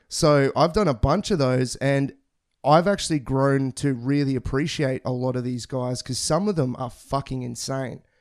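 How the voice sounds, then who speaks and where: Over a quiet background, a man with an Australian accent talks at a moderate pace and medium pitch, with ordinary pitch variation. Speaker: podcast host and comedian. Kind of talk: casual chat.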